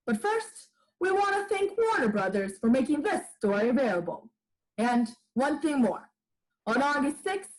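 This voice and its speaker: A woman's voice: high-pitched, rough recording. A woman playing a polished 1940s radio announcer, formal and theatrical.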